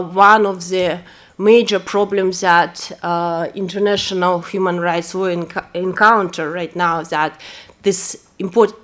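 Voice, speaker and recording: A woman from Kazakhstan, a lawyer giving an earnest, hesitant introduction at a press event, full of fillers. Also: lowish voice. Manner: earnest, personal testimony.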